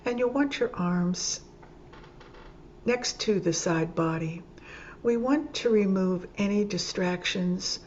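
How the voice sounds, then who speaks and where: A woman teaching yoga nidra, leading a guided meditation calmly and gently, in short phrases with pauses between them. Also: medium pitch. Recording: dull lo-fi sound with clear background noise.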